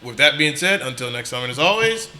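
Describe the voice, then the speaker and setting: A man's voice: medium pitch, expressive, brisk, pushed and bright, a little hiss or hum. A man hosting a podcast in a casual, conversational style. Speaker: podcast host. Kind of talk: casual chat.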